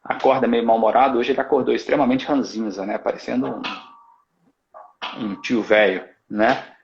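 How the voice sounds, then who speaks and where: A man's voice: mid-range voice, fairly even intonation, moderate pace, gravelly, a little hiss or hum. A Brazilian man in his forties chatting on a live video call, telling stories in a reflective way. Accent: Brazilian Portuguese. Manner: reflective storytelling, many tag questions. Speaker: host. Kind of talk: casual live-stream chat. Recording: dull lo-fi live-stream audio.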